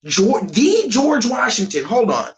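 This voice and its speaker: A man ranting on a live stream, profane and rambling, jumping between loud high outbursts and low muttered asides. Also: sing-song, measured pace, noisy background. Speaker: livestreamer.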